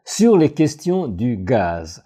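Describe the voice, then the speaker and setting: A man narrates a scripted analysis as a voice coach. He is measured and analytical, with a very dark timbre and a pitch that rises and falls expressively. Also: big pitch swings, slightly rough.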